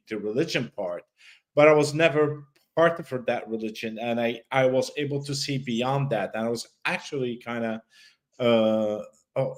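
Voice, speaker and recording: A man from Lebanon who grew up speaking Arabic. He is hosting a podcast over a video call and talks in a reflective, halting way, with many restarts. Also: medium pitch. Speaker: podcast host. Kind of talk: casual podcast chat.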